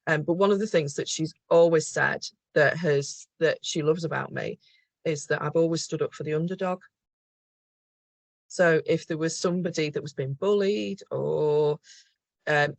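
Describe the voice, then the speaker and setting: A woman's voice: low voice, no echo. A middle-aged woman from the Liverpool area with a mild Liverpool accent, guest on an interview podcast, speaking thoughtfully with frequent ums and self-corrections. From England, Liverpool area. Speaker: guest, mental health nurse.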